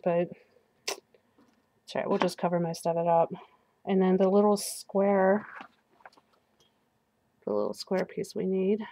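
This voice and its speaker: A woman's voice: fairly low pitch, warm tone, no room sound. A woman getting over the flu, chatting casually to herself while demonstrating a paper craft at her work table. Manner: chatty, self-talking while working, laughs at slips. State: recovering from flu. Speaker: crafting video host. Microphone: overhead camera above work table.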